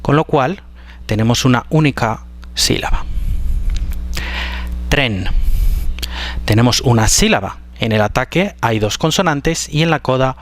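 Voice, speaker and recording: A man teaching pronunciation, explaining syllable structure slowly and carefully, stretching out example words. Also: mid-range voice, expressive, a little hiss or hum. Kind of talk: explanatory lesson.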